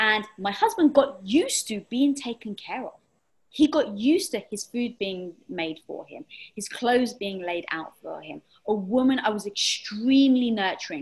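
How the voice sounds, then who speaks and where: A woman's normal speaking voice, fairly high-pitched, with lively intonation. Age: 40s. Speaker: media entrepreneur and show host. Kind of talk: interview conversation.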